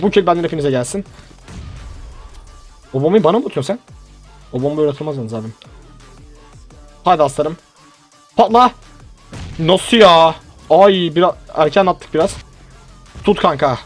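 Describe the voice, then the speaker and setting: A young man with a fairly high voice rattles off lively, joking commentary as he plays a mobile shooter, egging on teammates and talking to his viewers. Gunfire and faint music run behind him. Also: moderate pace, pauses often. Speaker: gaming YouTuber. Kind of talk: live mobile game commentary. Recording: game sounds and music behind.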